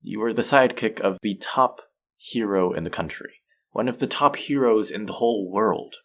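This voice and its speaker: A man playing a manipulative, possessive supervillain in a roleplay audio drama, speaking in a measured, condescending yet coaxing and protective way. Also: lowish voice, fairly bright tone. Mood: stern, persuasive.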